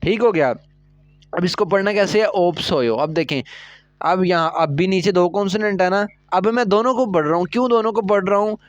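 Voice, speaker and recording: A man's voice: high-pitched, fairly quick, no echo, muffled recording, faint music behind. A man teaching a recorded Korean lesson, explaining step by step and often checking that students follow. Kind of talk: recorded language lecture.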